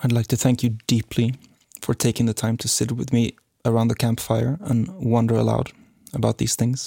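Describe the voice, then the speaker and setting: A man talks at a moderate pace in a somewhat breathy, dark, mellow voice of medium pitch with fairly even intonation. The sound is dry and close, with no echo. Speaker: podcast host. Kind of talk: interview conversation.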